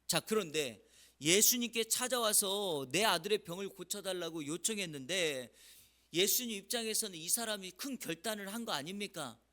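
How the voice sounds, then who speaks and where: A man's voice: high voice, animated, moderate pace, bright, forceful tone. A male pastor giving an early-morning sermon in a church, often putting questions to the congregation with emphasis.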